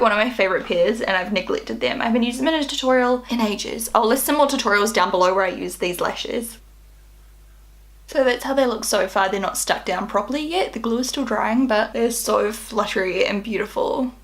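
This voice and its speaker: Female beauty vlogger, slightly high voice, chatty and bubbly, casual tutorial delivery. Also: a bit bright. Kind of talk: casual makeup tutorial chat.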